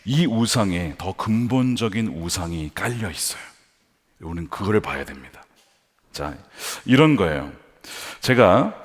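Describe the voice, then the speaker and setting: A man preaching a sermon as pastor, building to emphatic peaks and then dropping to quiet asides. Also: on the low side. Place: large church sanctuary. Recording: long hall reverb from a church sanctuary.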